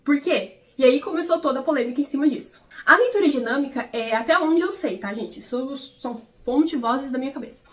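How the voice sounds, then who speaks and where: A woman's voice: high voice, expressive, quick pace, few pauses. A young woman vlogging casually about books in a chatty, explanatory way, often checking in with her viewers. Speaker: book vlogger. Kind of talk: casual vlog commentary.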